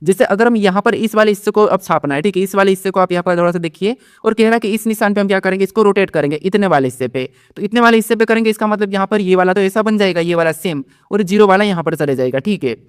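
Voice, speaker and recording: Fast-talking male reasoning teacher. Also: high voice, smooth, dry recording, clean studio sound. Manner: repeats questions and answers them himself; keeps tagging steps with "theek hai". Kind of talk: exam-prep lesson.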